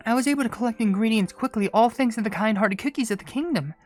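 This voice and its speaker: Woman acting out a gentle, courteous young incense maker. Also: a little high, fast talker, natural voice. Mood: focused. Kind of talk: reading game dialogue aloud in character. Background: game music.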